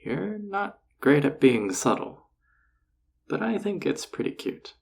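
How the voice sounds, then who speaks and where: A man playing a flirty, self-assured enchanter boss in an audio roleplay, teasing and coaxing the listener in a husky, gravelly voice. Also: a little high, sing-song, takes it slowly, heavily acted. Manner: teasing, coaxing, casually confident. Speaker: voice actor. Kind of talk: intimate scripted audio roleplay addressed to the listener.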